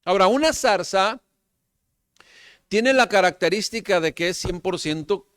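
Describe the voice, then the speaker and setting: A pastor with a Mexican Spanish accent preaching a sermon, animated, often checking with his listeners and calling them brothers. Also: high voice, a little slow, no room sound, clean studio sound.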